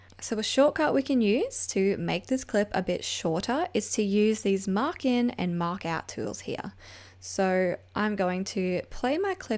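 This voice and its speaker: An unremarkable speaking voice moves at a fairly slow pace. Its intonation is lively. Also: woman. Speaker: video editing tutor. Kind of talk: tutorial.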